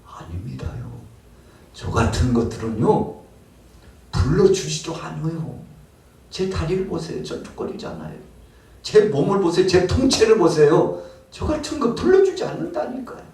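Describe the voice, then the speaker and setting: A man's voice: high voice, huge pitch swings, moderate pace, a little mellow, pitched above the performer's own voice. A man voicing a poor, lame male day laborer who pleads in a whining, self-pitying way. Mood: pleading. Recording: roomy hall, mic far off.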